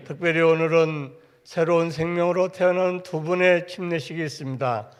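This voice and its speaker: A man leading a solemn, measured formal prayer in a church service. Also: fairly high pitch, clear, resonant tone. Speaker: prayer leader.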